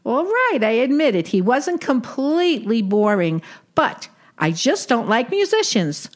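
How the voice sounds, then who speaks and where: Woman voicing a wry older sister, sarcastic, bright high voice, lively. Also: a little slow. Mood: wry teasing. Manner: sarcastic, teasing. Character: wisecracking older Brooklyn woman, teasing sister. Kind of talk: comic audio drama.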